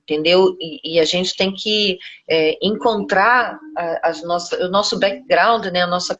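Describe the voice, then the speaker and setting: A middle-aged Brazilian woman, a singer, talking casually as an interview guest. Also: fairly low pitch.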